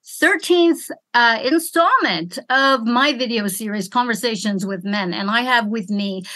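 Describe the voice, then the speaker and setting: A woman podcast host with a high, bright voice. She speaks theatrically and leans on repeated phrases for emphasis, as if presenting each point on stage. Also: a little slow. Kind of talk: interview with a showy introduction.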